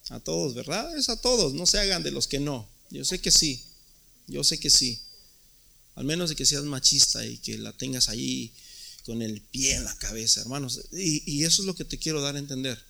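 Gravelly, bright-toned preacher man. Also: medium pitch, expressive, moderate pace. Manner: emphatic preaching, repeats words and restarts. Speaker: pastor. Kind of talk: sermon.

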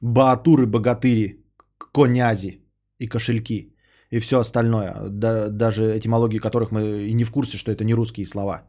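A man's voice: fairly low pitch, little pitch movement, brisk, warm tone. A man, a podcaster and streamer, ranting in a sarcastic, indignant tone and swearing freely as he answers a viewer.

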